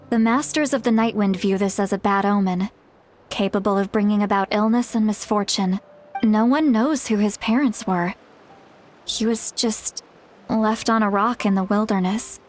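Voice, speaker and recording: A woman's voice: medium pitch, close to an everyday voice. An actress playing a frank, self-deprecating tribal elder woman in a video game, speaking casually with wry, hesitant asides. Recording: music behind the voice.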